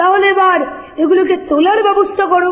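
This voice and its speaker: This is a cartoonish character voice with an extremely high pitch. It moves along at a moderate pace. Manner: pompous, gloating.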